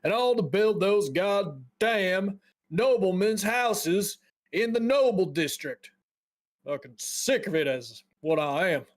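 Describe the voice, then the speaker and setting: A man's voice: sits high, animated, slow. A man voicing a bitter working-class male woodcutter who grumbles coarsely about the city's rulers. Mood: grumbling.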